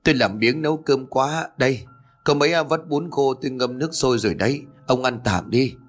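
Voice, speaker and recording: A man voicing an older village wife in a horror story, fussy and shrill, with a high raised pitch. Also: brisk, soft background music, natural voice. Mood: scolding.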